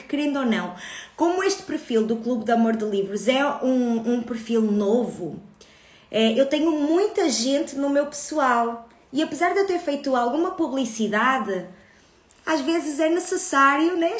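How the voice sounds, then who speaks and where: Slow-talking Portuguese woman in her thirties. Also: sits high, echoey room. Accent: European Portuguese. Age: 30s. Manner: chatty, greets viewers, laughs often. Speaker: book club host. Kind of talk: casual live stream chat.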